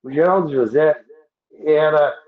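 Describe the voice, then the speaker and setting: A roomy, phone-like recording of a Brazilian-accented man telling stories. He speaks slowly and haltingly, in a fairly high voice, repeating words for emphasis. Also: a crowd in the background. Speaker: radio history storyteller on a podcast. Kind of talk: anecdotal storytelling talk. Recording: roomy, tinny phone-like sound.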